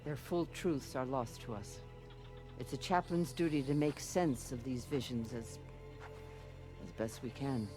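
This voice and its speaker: An actor playing a solemn, reverent tribal chaplain in a video game, speaking in a measured way. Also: male voice, medium pitch, music in the background, close to an everyday voice.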